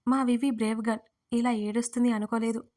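A man's voice: extremely high pitch, little pitch movement, a little fast, darkish tone. A woman voicing a caring, teasing young man who coaxes and soothes in an audio story. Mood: coaxing. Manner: coaxing, soothing.

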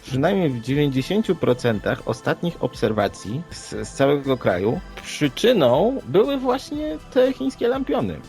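A man's voice: fairly high pitch, sing-song, normal speed, hardly any pauses, a little mellow. A man co-hosting an unscripted podcast discussion, explaining things in a matter-of-fact, sceptical way. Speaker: podcast co-host. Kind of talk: unscripted paranormal news discussion. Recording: background music under the voice. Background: music.

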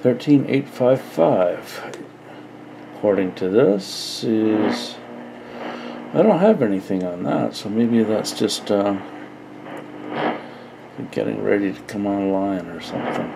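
Casual male hobbyist, deep voice, very leisurely delivery, faint noise in the room. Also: animated, slow, creaky, long pauses. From Canada. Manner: unscripted, thinking aloud. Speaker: radio hobbyist. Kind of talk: casual demonstration to camera. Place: indoor radio desk at home.

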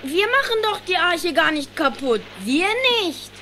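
Squeaky, excitable little woodworm. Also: measured pace, slight background noise, full character voice. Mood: earnest, eager. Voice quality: small, squeaky. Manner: eager, insistent. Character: small excitable young woodworm brother, earnest, indignant. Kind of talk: German children's audio drama acting.

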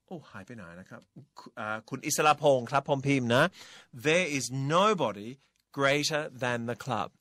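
Male teacher co-host, patient and deliberate, models words slowly; dry studio sound. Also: medium pitch, expressive, a bit bright, no room sound. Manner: slow, patient, models pronunciation. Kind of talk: radio show English lesson.

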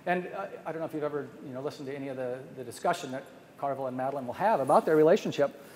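A man's voice: mid-range voice, rapid-fire, darkish tone. An older man giving an academic conference talk at a podium microphone, earnest, thinking aloud with many restarts. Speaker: speaker presenting research. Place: large hotel ballroom, at a podium. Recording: long hall reverb, faint noise.

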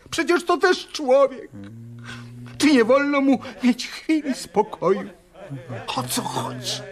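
An actor playing a zealous, self-important Hasidic holy man's gatekeeper in a radio drama, declaiming with singsong indignation. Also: high voice. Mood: indignant. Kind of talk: Polish radio drama acting.

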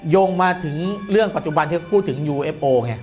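High-pitched, fast-talking middle-aged man. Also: darkish tone, faint music behind. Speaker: guest commentator on a horror show. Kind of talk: casual explanatory studio chat. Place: indoor studio, seated at a desk.

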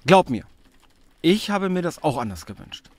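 A man's voice: a little high, big pitch swings, moderate pace, no echo. A man playing a lonely, hesitant middle-aged father in a naturalistic radio drama. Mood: hurt, reproachful. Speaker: voice actor in an audio drama.

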